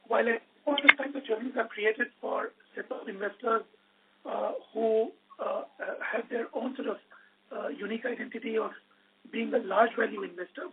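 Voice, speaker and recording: A man's voice: sits high, a little hiss or hum. A man, an executive explaining plans on an earnings call with frequent fillers. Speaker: wealth business executive. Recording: phone line.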